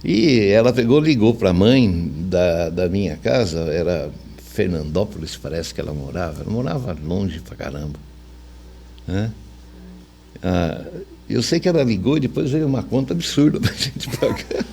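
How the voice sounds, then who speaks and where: An older Brazilian man with a fairly low voice, recounting memories as a veteran radio journalist being interviewed. He talks in a colloquial, anecdotal way, slipping into reported dialogue. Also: sing-song, normal speed, vocal fry, dark tone. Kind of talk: casual anecdotal storytelling.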